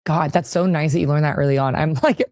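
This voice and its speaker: Here is an interviewer with a mid-range voice, recorded dry and close. The tone is friendly and encouraging, fitting a relaxed conversation. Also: medium pitch, fast talker, dry recording. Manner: friendly and encouraging, laughing along.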